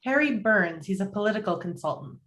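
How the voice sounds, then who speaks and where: A woman's voice: mid-range voice, lively intonation, fairly quick, a bit bright, close to an everyday voice. An actress playing Sally's part in a romantic comedy table read, an earnest and particular newly single woman. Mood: matter-of-fact. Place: indoors, virtual video-call table read.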